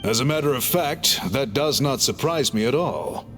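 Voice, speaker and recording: An actor playing a formal, scholarly tribal chief who speaks in a measured, polite, explanatory way. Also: male voice, medium pitch, lively intonation, over music, close to an everyday voice. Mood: thoughtful. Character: scholarly male tribal chief, calm, formal, reform-minded. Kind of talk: game cutscene voice acting.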